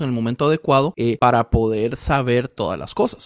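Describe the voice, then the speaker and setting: A man speaks at a fairly quick pace with a Costa Rican accent. The sound is dry and close, with no echo. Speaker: podcast host. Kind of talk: casual discussion.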